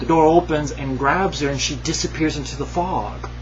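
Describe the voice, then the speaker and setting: A man at a moderate pace, with audible room echo and music in the background. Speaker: movie reviewer. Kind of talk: casual movie review monologue. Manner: rambling, hesitant with fillers.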